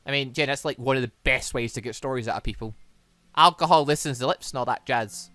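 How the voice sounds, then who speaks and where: A man's voice: mid-range voice, fast talker, bright, forceful tone, no echo. A man giving casual, rambling let's-play commentary on a visual novel, chatting and reading dialogue aloud as the channel's host.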